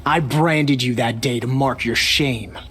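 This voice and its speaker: Young male tribal bully, played by an actor: arrogant, boastful, sneering, medium pitch, video game villainy. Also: measured pace, fairly bright tone, natural voice. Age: young adult. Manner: sneering, mocking.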